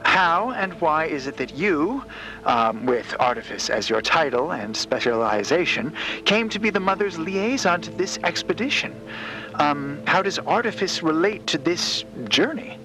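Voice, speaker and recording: A man's voice: a little high, big pitch swings, unhurried, rough recording. A man playing a nervous, eager, apologetic journalist in an audio drama, stammering and effusively polite. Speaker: actor in a fiction podcast. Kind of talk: naturalistic audio drama acting.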